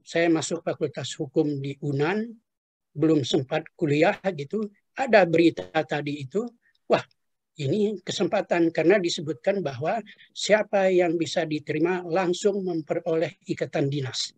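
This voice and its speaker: Older male interviewee, husky and a touch high-pitched, halting reminiscence full of fillers. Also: darkish tone. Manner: hesitant, many fillers and trailing asides. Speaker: interviewee, retired professor.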